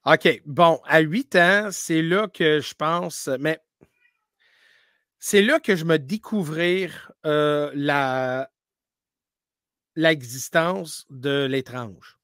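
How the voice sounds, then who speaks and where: A man who grew up speaking English, talking in as a paranormal streamer in a casual interview, telling animated stories full of restarts and English words. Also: on the high side, extremely slow, no echo, clean studio sound. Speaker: paranormal live streamer, guest.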